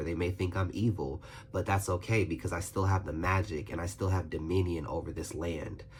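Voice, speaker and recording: Over music in the background, a man with a very deep, low pitch talks at a very fast pace with fairly even intonation. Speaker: self-help video creator. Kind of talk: advice monologue.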